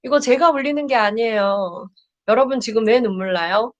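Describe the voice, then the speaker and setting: A middle-aged woman counselor giving a live-streamed lecture to viewers, warmly reading their chat messages aloud. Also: a little high, moderate pace, muffled recording.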